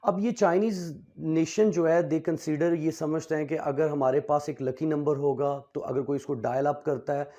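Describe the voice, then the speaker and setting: A man teaching a basic language lesson, switching between Urdu and English and drilling syllables slowly, with frequent check questions to learners. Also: on the high side, steady tone, mellow. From Pakistan.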